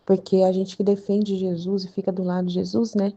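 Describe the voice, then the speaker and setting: A woman's voice: medium pitch, level tone, a little fast, warm tone, lo-fi sound. A woman with a Brazilian Portuguese accent who reads devotional texts and comments on them in a chatty way. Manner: chatty, with many filler tags. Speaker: channel host reading religious texts. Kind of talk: devotional reading with casual commentary.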